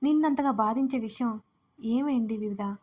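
A woman's voice: a little high, moderate pace, darkish tone, close to an everyday voice. A woman voicing an anxious, caring young woman who pleads with a tearful friend, in a storybook reading. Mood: worried. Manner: pleading, worried.

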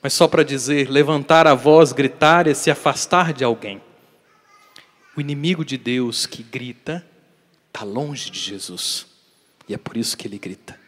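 A man preaching a daily catechesis sermon as a priest, emphatic and putting rhetorical questions to his listeners, his voice swinging between loud and soft for emphasis. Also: medium pitch, a little slow. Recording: long reverb of a large hall.

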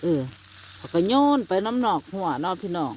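A woman with an Isan Thai accent talks in a rambling, friendly way straight to her viewers, her voice sitting a little low. She is recorded outdoors in a backyard, with a faint hiss of background noise behind her. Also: expressive, a little fast, a little mellow. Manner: chatty, rambling, addresses viewers as brothers and sisters. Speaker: vlogger. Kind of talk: casual chat to viewers. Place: backyard outdoors by a charcoal grill.

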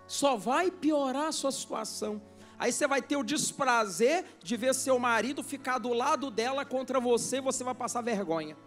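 Male bishop, sermon, animated storytelling, high voice, faint music behind. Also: normal speed. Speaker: bishop preaching.

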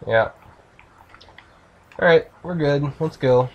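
A man's voice: a little high, slow pace, dull audio. A man giving loose, joking let's play commentary while he plays, swearing freely. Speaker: gamer.

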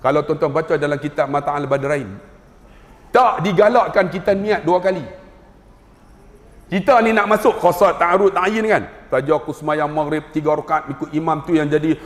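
A man with a Malaysian Malay accent giving a humorous mosque lecture, telling stories, mimicking voices and slowly reciting Arabic prayers. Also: a little high, fairly even intonation. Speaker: preacher. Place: mosque hall. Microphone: wireless mic. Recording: roomy mosque hall with long reverb.

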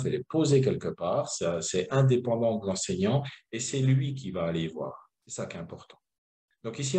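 A man's voice: medium pitch, mellow. A man from France presenting a school reading and writing method in a webinar, explaining step by step with fillers and restarts.

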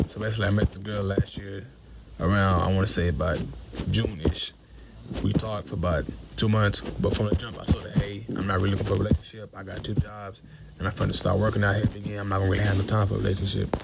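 A man's voice: on the low side, little pitch movement, quick pace, gravelly, loud music behind the voice. A young man telling a story in a voice message. He talks casually and bluntly, swears freely, and acts out the lines of the people in it. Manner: blunt and profane, acts out quoted dialogue. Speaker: listener sending a voice message.

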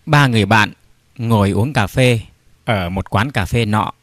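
Reading brief funny stories aloud, a man from Vietnam puts on raised voices for the characters in the jokes. He speaks at normal speed in a lowish, slightly bright voice.

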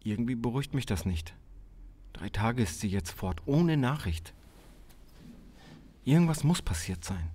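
A man's voice: mid-range voice, expressive, a little slow, long pauses, warm tone, slightly rough. An actor playing a worried, angry father of a missing daughter in an audio crime drama, with an agitated manner. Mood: shaken, worried. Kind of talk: German audio drama acting.

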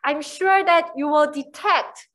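A woman's voice: sits high, a bit bright. A woman with a Korean accent, a native speaker of Korean, giving a university lecture in an explanatory way with frequent checks like "right?". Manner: slow, explanatory, frequent "you know" and "right".

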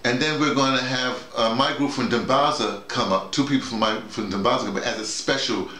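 A man's voice: medium pitch, brisk, sharp tone. A man, talking casually and emphatically, digressing and repeating his phrases. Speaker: drama workshop leader. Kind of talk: casual conversation, storytelling and explaining. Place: small indoor room with a bed. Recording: echoey room, faint noise.

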